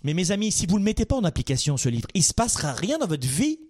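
A man speaks as the host of a motivational coaching show, in a fairly high voice. His intonation is very animated, moving widely up and down as he urges listeners on and fires rhetorical questions at them. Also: quick pace. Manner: emphatic, exhorting, rhetorical questions. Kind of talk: motivational talk, direct address to listeners.

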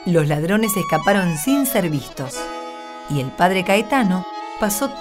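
Animated woman narrator over music. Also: fairly low pitch, unhurried. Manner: playful storytelling, addresses listeners. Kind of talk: scripted radio drama narration.

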